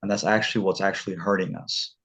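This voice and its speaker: A man from Southern California hosting a casual podcast interview, talking in halting bursts and often repeating his words. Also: low-pitched, fairly even intonation, fairly bright tone, husky. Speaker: podcast host.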